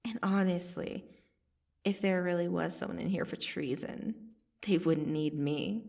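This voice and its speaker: Casting: woman to voice female vampire assassin, ASMR audio drama. Gravelly fry, sardonic and casually threatening, slightly off-mic. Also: on the low side, a little mellow, distant mic. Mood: cool, curious. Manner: slow, casual, sardonic delivery with long pauses. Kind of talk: ASMR roleplay monologue to the listener.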